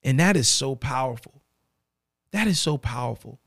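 A man with a raspy voice and a dry throat, hosting a podcast and speaking earnestly and directly to the listener. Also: medium pitch, lively intonation, normal speed, fairly bright tone, dry recording. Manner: earnest, repeats key phrases, addresses listener directly. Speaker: podcast host. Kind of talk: motivational podcast monologue.

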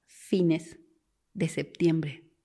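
A woman's voice: low voice, extremely slow, breathy edge. A woman, a forensic doctor telling stories in an interview and acting out the voices of the people in them. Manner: animated, acts out quoted voices. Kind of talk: storytelling interview.

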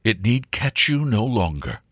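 An earnest young suitor in a comic storybook, performed by a man. He speaks formally and precisely, like a smooth salesman, with very varied intonation and a dry, close sound. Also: lowish voice, sing-song, measured pace, a bit bright, no room sound, exaggerated voice. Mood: confident, salesmanlike.

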